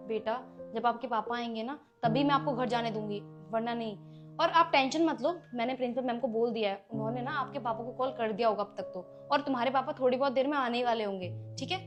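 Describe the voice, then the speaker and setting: A woman playing a gentle, reassuring teacher. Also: on the high side, fast, music in the background, natural voice. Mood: soothing. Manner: soothing, reassuring.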